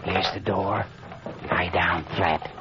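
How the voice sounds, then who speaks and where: An actor playing a feisty, stubborn small-town mayor with rustic speech and mild oaths, in 1940s radio style. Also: male voice, low-pitched, steady tone, takes it slowly, over loud music. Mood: hushed, determined. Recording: noisy muffled old radio recording.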